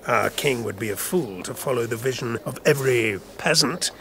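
An actor playing a worldly, patronising royal chamberlain in an audio drama, speaking in measured, formal courtly phrases. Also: male voice, medium pitch, fairly bright tone, lightly acted. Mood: stern.

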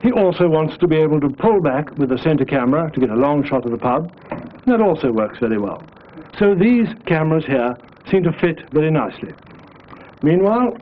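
A British man delivering scripted narration for a training film, as its narrator. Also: on the high side. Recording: hissy, narrow 1960s film soundtrack.

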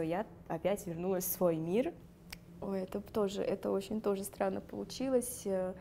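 A woman's voice: medium pitch, warm tone, a little hiss or hum. Chatty young woman with Circassian accent. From Karachay-Cherkessia, North Caucasus. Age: young adult. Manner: chatty, laughs often, many fillers. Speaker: interviewee. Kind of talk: sit-down interview. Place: dark studio. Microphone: lapel.

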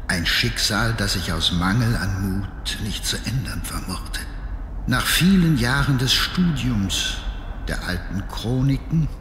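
A weary old nobleman narrates his diary in a dramatic game style. His delivery is slow, grave and deliberate, with a widely moving melody. Long echoing reverb surrounds the voice. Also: fairly low pitch, expressive, fairly bright tone, a little hiss or hum. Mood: grave, regretful. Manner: solemn, deliberate, theatrical.

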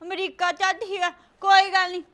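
A woman voicing a cheeky little boy who whines and begs to be adopted, with quick comebacks. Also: very high-pitched, level tone, bright, forceful tone. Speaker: comedy show host.

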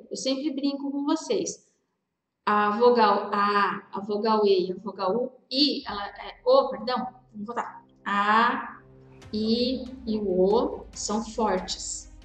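Brazilian woman teacher, patient, stretches out examples; roomy recording with soft music underneath. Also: on the high side. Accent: Brazilian Portuguese. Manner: patient, drawn-out spelling of examples, calls students dear. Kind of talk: recorded grammar review lesson. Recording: roomy echo with faint music.

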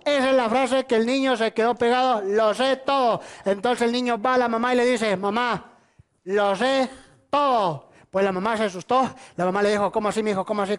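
A high-voiced Colombian bread boss running for office. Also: male voice. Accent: Colombian Spanish. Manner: chatty, laughs at his own jokes, calls everyone "mijo". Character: boastful bread-shop boss running for president, man. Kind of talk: TV sketch comedy.

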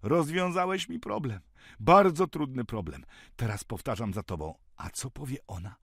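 A man voicing an excitable, dreamy male villager who talks eagerly and grandly of a great journey. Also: mid-range voice, moderate pace, husky, dry recording, studio quality. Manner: eager, grandiose, raising his voice.

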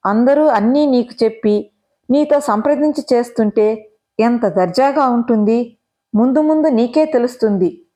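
A strict middle-aged mother speaks in deliberate, measured phrases, keeping a firm grip on her eldest daughter, as a woman storyteller puts her on. The voice sits a touch high, plainly parental and commanding in a storybook reading. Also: dark tone, lightly acted. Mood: coaxing. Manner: deliberate, scolding.

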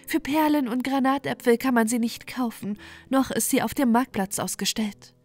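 A tender little songbird as a woman storyteller puts her on, lifting high and bright into a pleading, yearning tone. Soft music drifts faintly behind. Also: normal speed, lightly acted. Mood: earnest wonder. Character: small female songbird, earnest and tender.

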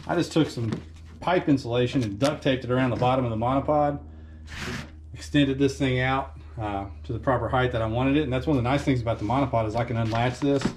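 A man, casually explaining a camera setup in a relaxed, conversational way with frequent fillers, recorded on a camera mic in a home garage. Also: medium pitch, slight background noise. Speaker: fishing channel host. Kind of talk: casual how-to vlog. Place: home garage workshop, indoors.

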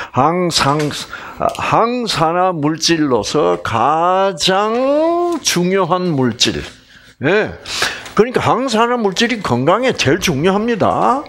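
A man's voice: high voice, a bit bright. A middle-aged man giving a health lecture, asking his audience questions and joking with regional sayings.

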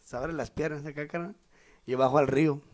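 A man with a Mexico City accent telling crude jokes, with acted voices and shouts. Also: fairly high pitch, fairly even intonation, fairly quick. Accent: Mexico City Spanish. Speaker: comedian guest telling jokes. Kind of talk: live-streamed comedy chat.

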